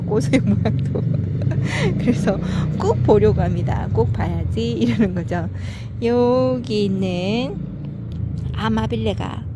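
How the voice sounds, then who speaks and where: With background noise in the recording, a woman speaks in a mid-range voice while filming the plants on her veranda at home. The succulent gardening vlogger chats fondly about each one, sighing a little, in a relaxed narration.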